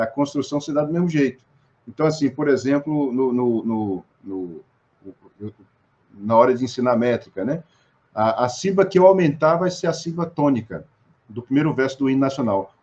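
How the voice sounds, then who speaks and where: A Brazilian man talks at a middle pitch in an interview, stopping and restarting often as he explains. His speech is full of small fillers. The recording sounds a little dull. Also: a little mellow. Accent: Brazilian Portuguese. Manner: hesitant, many restarts and fillers. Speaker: guest.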